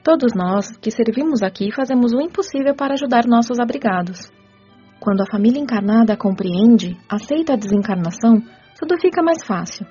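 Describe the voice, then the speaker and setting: An actress playing a kind, patient spirit caretaker who explains rules in a measured, teacherly radio drama delivery. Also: female voice, on the high side, expressive, mellow, breathy edge. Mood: patient, instructive. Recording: muffled audio with music underneath.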